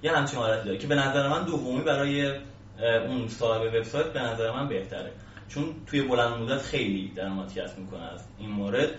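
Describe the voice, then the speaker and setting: Guy with explaining stuff casually in an interview, muffled, roomy echo. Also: medium pitch. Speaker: programming instructor, interview guest. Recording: echoey distant mic, muffled, faint hiss.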